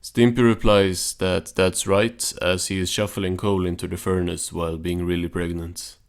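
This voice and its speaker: A man with a low-pitched voice hosts a cartoon recap. His delivery is informal and deadpan, like offhand commentary. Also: normal speed, clear, resonant tone.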